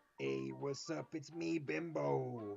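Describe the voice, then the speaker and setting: A man's put-on character voice, fairly low in pitch, with very wide pitch swings. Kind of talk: casual, comedic. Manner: brash, streetwise.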